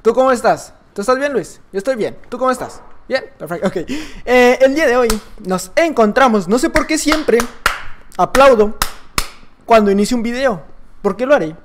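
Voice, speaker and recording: Man, Mexican accent, loud, shouting, animated pitch, gameplay commentary. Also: normal speed, noisy background. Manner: loud, shouting and laughing often. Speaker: gaming YouTuber.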